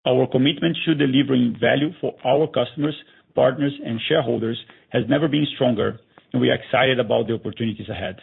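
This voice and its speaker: A man with a gravelly, husky voice formally reading a scripted earnings presentation as a finance executive over a narrow conference phone line. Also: medium pitch, fast talker. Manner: formal, reading from prepared remarks.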